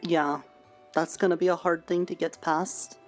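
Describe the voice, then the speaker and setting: A woman's voice: lowish voice, flat delivery, a little slow, faint music behind. A woman roleplaying a town church leader, talking in a friendly, reassuring, easygoing way. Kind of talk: casual in-character roleplay chat.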